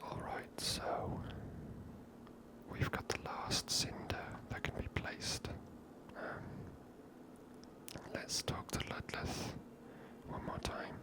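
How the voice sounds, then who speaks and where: A woman whispers breathily in a hushed, casual, musing way as she hosts an ASMR video game playthrough. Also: takes it slowly, long pauses, low-quality recording. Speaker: host of a gameplay series. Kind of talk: ASMR gameplay commentary.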